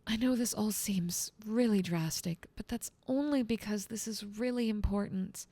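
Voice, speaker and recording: A woman playing a gentle, motherly guardian angel in a soothing, patient ASMR roleplay, speaking softly and coaxingly. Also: medium pitch, moderate pace, no room sound, natural voice. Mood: earnest, gently firm. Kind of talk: soft-spoken ASMR roleplay.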